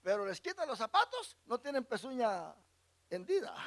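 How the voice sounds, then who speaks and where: A male pastor leads a Bible class, reading verses aloud and explaining them, then posing questions so the congregation can fill in the words. His voice is very high, sing-song and gravelly with a slightly bright edge, at a moderate pace.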